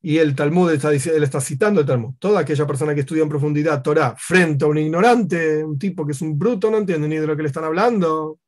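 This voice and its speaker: A man's voice: on the high side, fast talker, few pauses, a little mellow. A man teaching a Torah lesson, who explains at length with asides and Yiddish-style Hebrew terms.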